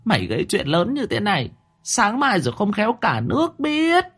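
A man's voice: medium pitch, animated, fairly quick, breathy edge. A man voicing a furious, bossy middle-aged mother who screeches threats and scoldings.

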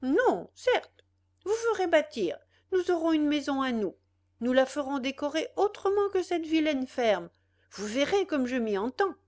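Spoiled, wheedling young woman, pitched high and bright, read by a woman. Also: very animated, a little slow. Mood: coaxing. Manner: wheedling yet commanding. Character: sly, spoiled young woman, petulant and coaxing.

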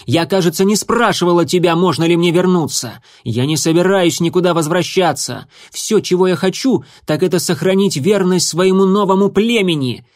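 A man's voice: high-pitched, normal speed, few pauses, dry recording, clean studio sound, voice pushed up, close to an everyday voice. A man voicing a proud, defiant young female cat who speaks sharply and hisses when angry. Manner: sharp, hissing, indignant.

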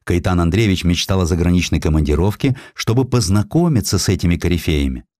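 A man reading a literary historical narrative aloud in an expressive, scripted storytelling style. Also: deep voice, fast talker, dry recording, studio quality. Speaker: audiobook narrator. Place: dry studio.

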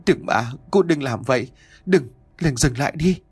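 A man's voice: medium pitch, normal speed, husky, no room sound, faint music behind, natural voice. A man voicing a frightened middle-aged wife who pleads and stammers tearfully, in a raised voice. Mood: pleading.

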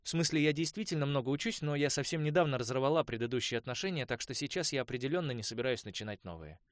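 A man's voice: medium pitch, lively intonation, rapid-fire, dry recording, studio quality, pitched above the performer's own voice, close to an everyday voice. A man voicing a tipsy, chatty young woman student who rambles in a raised voice. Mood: rambling.

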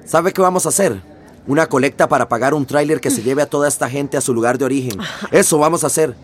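An actor playing a pushy, sarcastic citizens' committee leader confronting the mayor in a radio drama. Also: male voice, medium pitch, quick pace, natural voice. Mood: indignant.

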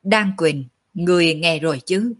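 A woman's voice: fairly low pitch, lightly acted. A woman voicing a dignified, commanding old male clan patriarch in a storybook reading. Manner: measured, commanding, calls himself old man.

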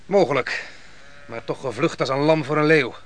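An actor playing a proud, vengeful army commander in a radio play, with a boastful, commanding manner. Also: male voice, a little high, moderate pace, lightly acted. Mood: grim, determined.

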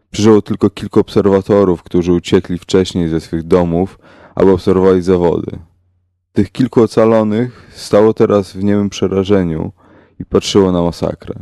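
A man narrating a horror story in a slow, measured, grave way. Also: low-pitched, dark tone, no room sound, clean studio sound. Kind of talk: scripted horror audiobook narration.

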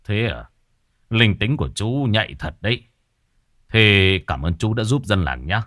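A man's voice: on the low side, expressive, a little slow, fairly bright tone, no echo, studio quality. A man voicing a grateful older village man speaking plainly. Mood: relieved.

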